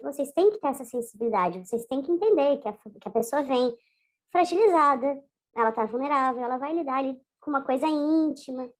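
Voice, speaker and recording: Woman, voice changer effect, high pitch, hesitant chatty interview guest. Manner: conversational, hesitant, with frequent restarts and tag questions. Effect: voice changer disguising the voice. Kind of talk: casual recounting in a video interview.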